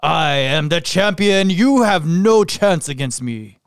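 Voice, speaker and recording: A woman voicing a boastful giant male warrior, bellowing loud taunts in a story reading. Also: lowish voice, lively intonation, takes it slowly, smooth, no echo, clean studio sound. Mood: taunting.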